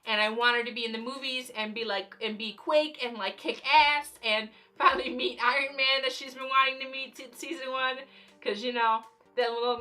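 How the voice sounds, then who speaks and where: Chatty young woman, slightly hoarse. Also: on the high side. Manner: rambling, animated fangirl talk with frequent fillers and laughs. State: losing her voice, slightly hoarse. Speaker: YouTuber. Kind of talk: casual vlog commentary.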